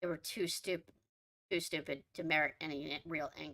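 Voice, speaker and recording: A woman puts on a raspy character voice. She keeps a moderate pace with fairly even intonation. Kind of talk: live audiobook reading. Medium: read story. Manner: plain, slightly halting reading.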